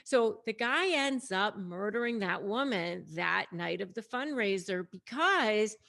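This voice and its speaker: A woman with a medium-pitched voice speaks as a host and coach, explaining things in a casual, conversational way. She stresses her points and talks directly to the listener as she tells the story. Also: animated, a little slow, gravelly, fairly bright tone. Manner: conversational, emphatic, addresses the audience directly. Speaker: host and coach giving advice on narcissists. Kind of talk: casual explanatory commentary to camera, retelling a story.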